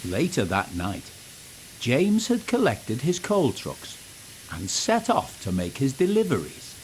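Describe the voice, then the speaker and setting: A man narrating a scripted children's story in an animated, expressive manner. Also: medium pitch, slow pace, slight background noise, rough recording.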